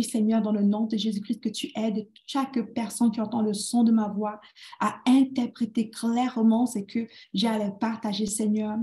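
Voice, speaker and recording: A woman from Canada hosts a live-streamed faith challenge, with a voice set a little high for a woman. She talks with bursts of energy, drops English words into her speech and circles back over her points. The room rings with a noticeable echo. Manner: energetic, mixes in English words, repeats herself. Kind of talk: live-streamed teaching and prayer.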